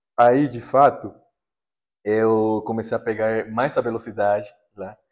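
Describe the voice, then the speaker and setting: A man's fairly low voice moves at a fairly slow pace, and his intonation stays fairly even. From Peru, Arequipa (south). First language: Spanish (speaking Portuguese). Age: 20s. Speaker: podcast guest, Peruvian living in Brazil. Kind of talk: casual interview chat.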